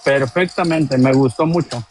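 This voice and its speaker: A man from Mexico joining a live online debate, speaking in an approving, measured way. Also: medium pitch, a little hiss or hum. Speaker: debate participant.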